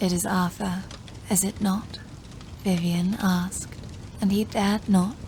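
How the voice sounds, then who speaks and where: Noticeable background noise sits behind a woman with a medium pitch. She speaks at a fairly slow pace with fairly even intonation. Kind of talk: sleep story. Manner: soft-spoken, slow.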